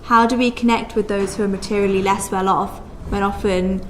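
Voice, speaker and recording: A woman's voice: mid-range voice, steady tone, brisk. A woman moderating a question session, posing and restating questions for the audience. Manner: questioning, clarifying. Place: lecture room with audience. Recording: echoey room with background noise.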